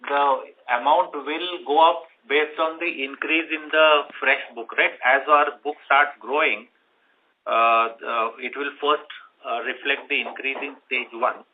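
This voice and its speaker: An executive man with an Indian accent explains figures on an earnings call. He talks in a halting, unscripted way with frequent "you know". The sound is narrow and phone-like. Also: mid-range voice, steady tone, slight background noise. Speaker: company executive answering analysts. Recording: muffled narrowband phone conference line.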